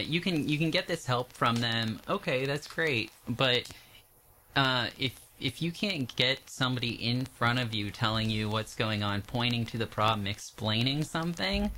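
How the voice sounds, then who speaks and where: Bright, sharp-voiced male co-host. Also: medium pitch, a little hiss or hum. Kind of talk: casual radio discussion.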